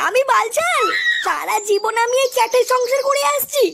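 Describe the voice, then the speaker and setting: A woman's voice: extremely high pitch, animated, moderate pace, vocal fry, a bit bright, full character voice. A woman voicing an aggrieved, dramatic old grandmother in a comedy cartoon. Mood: indignant. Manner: complaining, indignant. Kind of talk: comic cartoon dialogue. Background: faint music.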